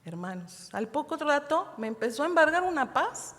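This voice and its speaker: Middle-aged Mexican woman, slightly high voice, emotional church testimony, long hall echo. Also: big pitch swings, fairly bright tone. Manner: heartfelt, addresses listeners as sisters, halting restarts. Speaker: women's meeting speaker. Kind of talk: emotional personal testimony sermon.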